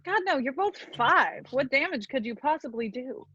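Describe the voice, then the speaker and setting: An exasperated comedy-sketch mom, acted by a woman, with a high voice. She is blunt, weary and dismissive, recorded dry and slightly lo-fi. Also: expressive, normal speed, pushed and bright, dry recording. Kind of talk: sketch comedy staged reading. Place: remote virtual reading.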